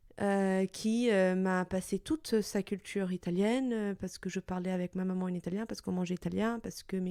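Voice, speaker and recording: A woman's medium-pitched voice with a dark, mellow tone, a moderate pace and ordinary pitch variation, dry and close with no echo, on a very clean recording with a silent background. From Portugal. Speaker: podcast host. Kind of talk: personal reflective monologue. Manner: hesitant, many fillers.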